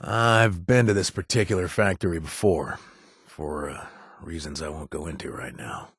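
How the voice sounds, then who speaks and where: A shady wisecracking wasteland drifter, game voice lines, husky low tone, hesitant asides, very dry close mic. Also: male voice, normal speed, fairly bright tone, no echo, exaggerated voice. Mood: wry. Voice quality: hesitant, full of "uh" and trailing asides. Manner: sly, sarcastic, offhand delivery. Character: wry shady male wasteland drifter, joking and evasive. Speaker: game companion character. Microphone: close studio mic.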